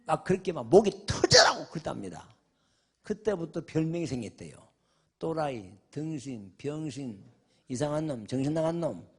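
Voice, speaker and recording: Older male preacher, gravelly husky voice, bounces from loud shouting to quiet murmur telling a story. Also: a little high, sing-song, moderate pace. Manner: dramatic storyteller, swings between shouting and hushed murmur. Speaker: retired pastor preaching at a revival meeting. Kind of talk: revival sermon with storytelling.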